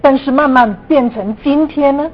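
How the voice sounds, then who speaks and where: A woman from Guangdong, a native Cantonese speaker, speaks Mandarin with a Cantonese accent as a Christian lecturer, mixing in English terms. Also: moderate pace. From Guangdong, China. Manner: frequent sentence particles, mixes in English terms. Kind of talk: church teaching lecture. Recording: dull lo-fi room recording, audible noise, rumble.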